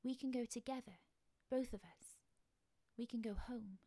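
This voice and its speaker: Lady doing a sad little mermaid, high and wistful, gravelly, dry close sound. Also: normal speed, dark tone, no echo. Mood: eager. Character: lonely tearful young mermaid girl.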